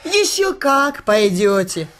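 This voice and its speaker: An actress playing a jealous, sarcastic working-class wife who nags bluntly in a radio comedy play. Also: female voice, medium pitch, big pitch swings, takes it slowly, fairly bright tone. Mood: bossy, mocking. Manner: nagging, sarcastic, colloquial and blunt.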